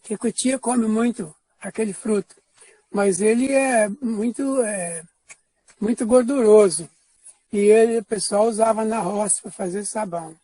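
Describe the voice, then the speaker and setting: Older man from Brazil, husky voice, dry close sound, unhurried testimony with pauses and restarts. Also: high-pitched, warm tone, no room sound. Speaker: interviewee giving a life testimony. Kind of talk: personal storytelling testimony.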